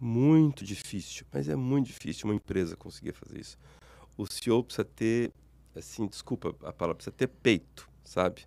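The voice has a dark, mellow tone and a moderate pace, with very wide pitch swings and big swings in loudness. The sound is dry and close, with no echo. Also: man, medium pitch for a man. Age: 60s. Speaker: psychologist, consultant and author. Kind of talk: interview. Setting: studio.

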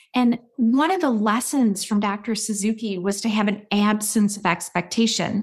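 Speaking with a Midwestern US accent, a woman uses a fairly high, somewhat breathy voice at a moderate pace, with hardly any pauses, very even loudness and fairly even intonation. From US Midwest, Michigan. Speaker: sociologist and author. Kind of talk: interview conversation.

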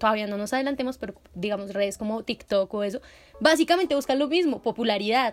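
Here a woman talks at a very fast pace. Her intonation is lively. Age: 20s. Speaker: podcast co-host. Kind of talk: casual chat.

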